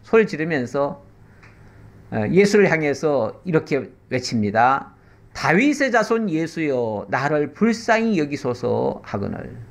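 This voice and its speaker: A middle-aged male pastor teaching the Bible in a conversational way, explaining with rhetorical questions and slow pauses. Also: on the high side, sing-song, gravelly.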